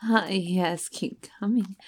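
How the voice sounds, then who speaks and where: A woman playing a predatory, seductive female creature that drains life, speaking in a breathy, whispered, domineering tone in an erotic audio roleplay. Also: mid-range voice, fairly even intonation, slow, darkish tone.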